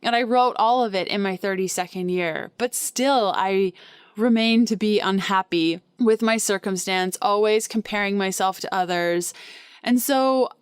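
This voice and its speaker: A woman's voice: medium pitch, a little slow, smooth, no echo, clean studio sound. A woman in her thirties hosting her own podcast, talking candidly in a casual, chatty way with fillers like "kinda" and "like". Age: 30s. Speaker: podcast host. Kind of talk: casual solo podcast monologue.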